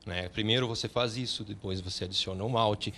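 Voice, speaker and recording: A man's voice: on the low side, steady tone, brisk, a bit bright, a little hiss or hum. A man, explaining home brewing step by step as a studio guest. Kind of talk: casual chat.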